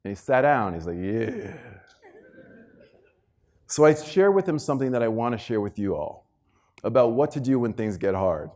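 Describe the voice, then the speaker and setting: Male keynote speaker, motivational storyteller, highly animated pitch, emphatic delivery, slips into acted-out dialogue. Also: fairly quick. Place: live talk before an audience.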